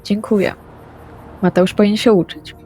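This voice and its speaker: A woman's voice: mid-range voice, level tone, normal speed, mellow, rough recording. Female RPG player, middle register, serious delivery of improvised character lines, faint music underneath. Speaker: tabletop role-playing player.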